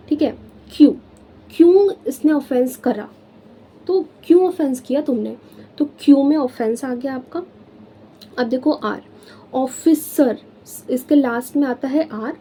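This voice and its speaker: A woman's voice: high-pitched, dark tone, slight background noise. A young Indian woman teaching law, mixing Hindi and English with friendly check-ins as she explains memory tricks. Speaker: law tutor. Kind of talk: exam-prep lesson.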